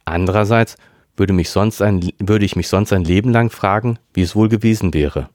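A thoughtful teenage girl who opens up quietly, as a man reading a story puts her on. Her lines sit above a very low baseline. The recording is close and dry. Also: normal speed, no room sound, lightly acted. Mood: thoughtful, confiding. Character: teenage girl, reflective and open.

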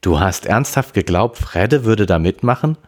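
A man voicing a calm, level-headed teenage boy who reasons things through, in an audiobook reading. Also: fairly low pitch, normal speed, pitched above the performer's own voice, close to an everyday voice. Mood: thoughtful.

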